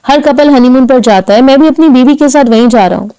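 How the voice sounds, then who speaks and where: A woman voicing a gentle, calm young husband who speaks tenderly. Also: high voice, fairly quick, clean tone.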